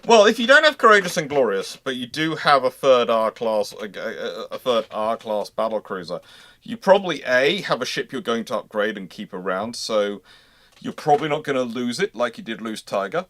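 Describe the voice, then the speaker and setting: A man hosting a casual live question-and-answer stream, explaining as an expert in a halting way, often repeating and rephrasing mid-thought. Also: medium pitch, big pitch swings, sharp tone.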